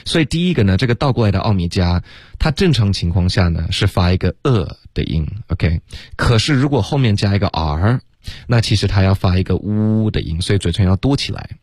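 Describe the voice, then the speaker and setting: Deep-voiced male English teacher on radio. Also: dry recording. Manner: relaxed, sprinkles English fillers like OK and right, demonstrates sounds slowly. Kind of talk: radio English lesson, explaining pronunciation.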